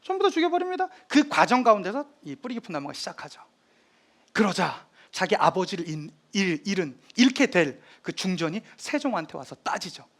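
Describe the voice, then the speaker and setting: A man lecturing on history, retelling drama scenes in a lively storytelling manner. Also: high voice, brisk.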